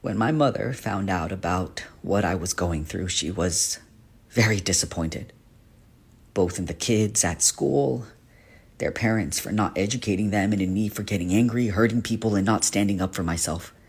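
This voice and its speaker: A man plays a gentle shapeshifting teacher with a painful past in a dramatic character monologue. His voice is fairly low and rough-edged with husk. He speaks earnestly and confidingly, halting when emotion gets to him. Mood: hurting, confessional.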